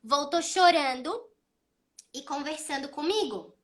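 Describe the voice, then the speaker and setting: A woman in her thirties, hosting a child psychology talk, explaining calmly and telling stories about her son with acted-out dialogue. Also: sits high, unhurried. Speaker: child psychology channel host. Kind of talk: casual advice talk.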